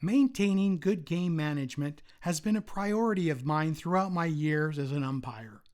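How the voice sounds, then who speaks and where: A man, a retired umpire, giving a formal prepared presentation at a convention in a measured, read-aloud way. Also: a little high, lively intonation, darkish tone.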